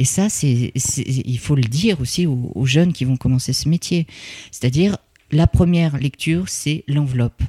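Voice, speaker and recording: A man with a fairly high, somewhat breathy voice and a dark, mellow tone talks at a moderate pace with ordinary pitch variation, the sound dry and close with no echo. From France, Reims. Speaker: actor. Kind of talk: interview. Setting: at the host's home.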